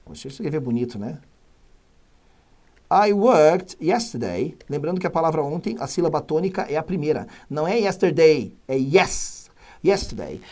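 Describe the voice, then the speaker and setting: A man from Brazil teaching an exam-prep English lesson, energetic and chatty, reading English slowly and then explaining fast. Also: fairly high pitch, vocal fry, slightly rough.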